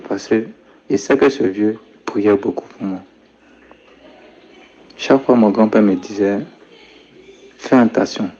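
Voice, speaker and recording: A young man recounts his life story in a soft-spoken manner. His voice sits low and mellow, and it sinks quieter still when he quotes his grandfather. The recording is dull and lo-fi. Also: unhurried, pauses often, husky. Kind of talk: personal testimony.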